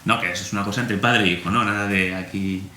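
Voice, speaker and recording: A man, a priest, telling a personal story in an animated way and acting out remembered conversations. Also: lowish voice, quick pace. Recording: roomy echo, faint room hum.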